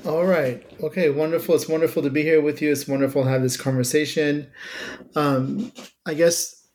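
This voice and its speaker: A man's voice: a little high, steady tone, normal speed, a little mellow, slight background noise. A man in his thirties, a native Persian speaker from Iran, answering interview questions in a thoughtful, casual way with many fillers and restarts. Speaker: author being interviewed.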